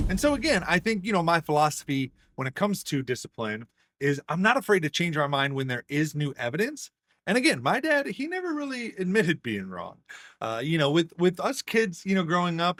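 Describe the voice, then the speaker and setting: A man's voice: fairly high pitch, fairly bright tone, dry recording. A man, a single father, talking casually to his viewers, with many "you know" fillers. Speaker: single dad vlogger. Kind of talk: casual talk to camera.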